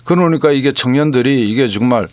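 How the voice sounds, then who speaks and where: A man's voice: mid-range voice, brisk, no echo. A middle-aged man, a guest analyst, earnestly explaining policy in a political discussion and stressing key words.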